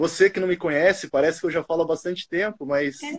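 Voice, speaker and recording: A man's voice with a dry, close sound and no echo. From Curitiba, southern Brazil. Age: 20s. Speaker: caller. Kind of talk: casual chat.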